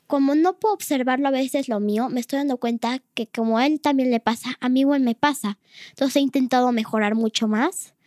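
A woman's voice: high voice, a little mellow, dry recording, studio quality. A teenage girl, a podcast guest, sharing her feelings in an earnest, hesitant way. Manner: hesitant, many fillers and restarts, earnest. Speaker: guest, host's daughter. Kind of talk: casual personal sharing.

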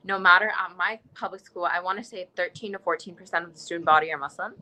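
A woman's voice: lowish voice, quick pace, sharp tone, low-quality recording. A young woman from the United States speaking in an interview, earnest and impassioned, often restarting her sentences. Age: young adult. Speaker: interviewee, student. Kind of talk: conversational interview.

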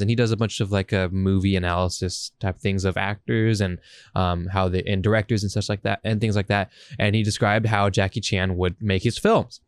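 A man's voice: on the low side, clean tone, no echo. A man podcasting in a casual, profane chat, rambling and enthusiastic with plenty of slang. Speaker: podcast host.

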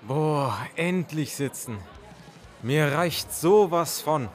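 A man's voice: a little high, takes it slowly, some chatter behind. A man acting as himself in casual, scripted comic dialogue, a podcast host in an audio play.

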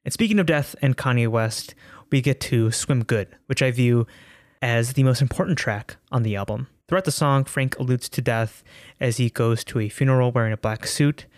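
Guy doing an album review, earnest and thoughtful, mid pitch, dry sound. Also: dry recording. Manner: earnest, thoughtful, some restarts and stretched words. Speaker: music reviewer.

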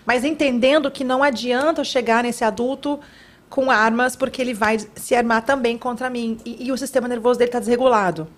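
A woman's voice: on the high side, fairly even intonation. A woman from Brazil, a guest educator in a casual podcast chat, talking earnestly and acting out little bits of dialogue. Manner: earnest, quick, acts out quoted dialogue.

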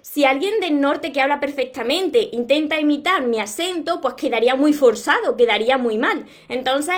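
A woman's voice: sits high, lively intonation, moderate pace. A woman from Córdoba with an Andalusian accent, giving an earnest, encouraging motivational talk to her viewers on a live stream. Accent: Andalusian Spanish. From Córdoba, Andalusia, Spain. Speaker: motivational content creator and author.

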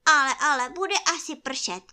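A woman reading a storybook, voicing a naive, cheerful little honey-loving teddy bear in a high, sing-song, earnestly silly way. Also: bright, forceful tone.

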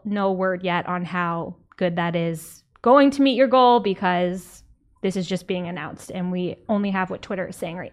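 A woman hosting a podcast, chatting casually and wryly reading out marketing news, with a somewhat squeaky voice. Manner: chatty, wry, reads out news items. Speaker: podcast host.

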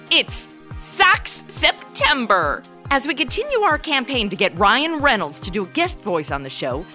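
A woman's voice: fairly high pitch, bright, forceful tone. An American woman giving a scripted show announcement in a chirpy style. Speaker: writer, producer and star of the show.

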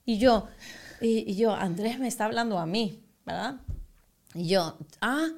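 A young woman, a sports broadcaster, telling stories in a casual interview, animated and acting out the voices she quotes. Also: medium pitch, measured pace, vocal fry. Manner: animated, acts out quoted voices, frequent restarts.

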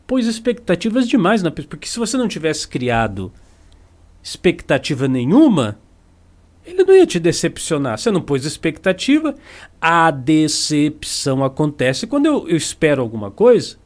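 A man's voice: on the high side, huge pitch swings, moderate pace. A man with a Brazilian Portuguese accent, a spiritual teacher giving an emphatic, repetitive motivational talk to camera. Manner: emphatic and repetitive, with acted-out quotes.

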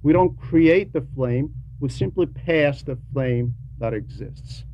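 A man delivering an Orthodox Christian homily in a deliberate, explanatory way, repeating phrases for emphasis. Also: medium pitch, mellow. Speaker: preacher reading a translated homily. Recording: dull lo-fi sound with background noise.

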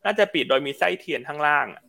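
A man's voice: a little high, fast talker, gravelly, a loud crowd. A man hosting a live stock market talk show, chatty and upbeat, often asking viewers to write in.

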